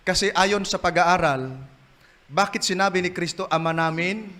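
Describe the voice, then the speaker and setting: A male preacher from the Philippines giving a church sermon, telling stories and building to loud, emphatic peaks. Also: sits high, fairly even intonation, normal speed.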